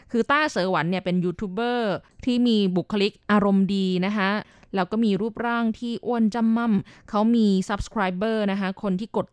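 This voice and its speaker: A woman's voice: mid-range voice, clean tone, no room sound. A woman hosting a radio language segment, explaining words in a chatty, polite way. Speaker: radio host.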